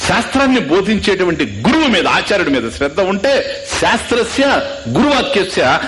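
Animated male spiritual teacher. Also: sits high, a little fast. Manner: keeps quizzing listeners, mixing in English asides. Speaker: Vedanta teacher. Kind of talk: spiritual discourse.

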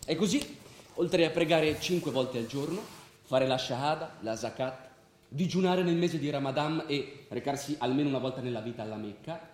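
A man's voice: normal speed, a little mellow, natural voice. Man acting frank Muslim guide in echoing hall. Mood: frank, emphatic. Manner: frank, instructive. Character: pragmatic, guiding Muslim believer, frank and friendly. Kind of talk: theatrical radio drama dialogue. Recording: very echoey stage, faint rumbling noise.

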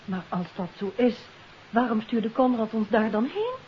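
High-voiced inquisitive woman, old radio play. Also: sing-song, normal speed. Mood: puzzled, curious. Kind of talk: 1950s Dutch radio drama acting. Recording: dull, hissy 1950s radio recording.

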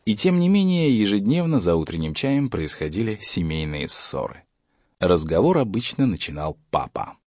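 A man's voice: deep voice, big pitch swings, normal speed, a little mellow, no echo, lo-fi sound. A man narrating a humorous story for an audiobook. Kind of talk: scripted narration.

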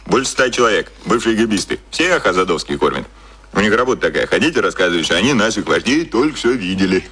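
An actor playing a cynical, cocky boss who explains things in an offhand, colloquial way, as in a radio drama. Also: male voice, fairly low pitch, big pitch swings, fast, a bit bright, slightly rough, full character voice. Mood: breezy explaining. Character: cynical, cocky male boss explaining secret media machinery.

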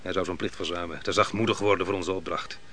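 An actor playing a proud, vengeful army commander in a radio play, with a boastful, commanding manner. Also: male voice, deep voice, steady tone, fast, pushed and bright, full character voice. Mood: confident.

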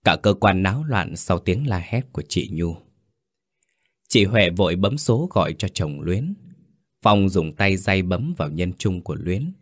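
A man reading a story in a steady, grave way. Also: low voice, measured pace, dry recording, clean studio sound. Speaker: narrator. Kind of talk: scripted story narration.

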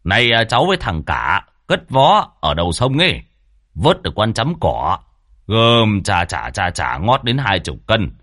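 Brief: male storyteller playing a jumpy, gossipy villager, fast and exclaiming, pitch leaping around; dry close sound. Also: sing-song, a bit bright, no echo, full character voice. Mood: chatty. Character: excitable gossipy middle-aged village man.

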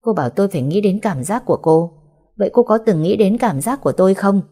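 A woman reading a story voices a bitter young father who speaks coldly in slow, clipped words. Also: mid-range voice, expressive, mellow, lightly acted. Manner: cold, clipped, slow deliberate delivery. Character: cold bitter young father, curt and resentful.

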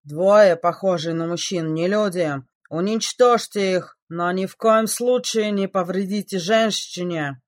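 A man voicing a relentless female robot who speaks in a slow, dutiful, flat contralto. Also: high-pitched, no room sound, studio quality, voice pushed up. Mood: cold dutiful.

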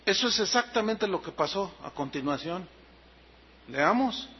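A man with a Mexican accent preaching a sermon, animated, explaining the meaning of words and acting out scenes. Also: high-pitched, measured pace, a little hiss or hum. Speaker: pastor. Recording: dull lo-fi sermon recording.

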